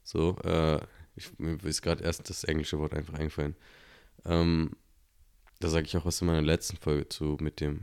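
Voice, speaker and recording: A young man hosting his own podcast, telling a story in a relaxed, slangy, rambling way with many fillers. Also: extremely low pitch, creaky. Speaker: podcast host. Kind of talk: casual solo podcast storytelling.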